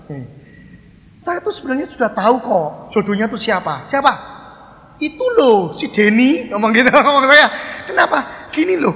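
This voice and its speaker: A male pastor, telling a story in a sermon and acting out the dialogue. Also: high voice. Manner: animated, acts out dialogue, addresses listeners as Saudara. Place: large worship hall. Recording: hall reverb.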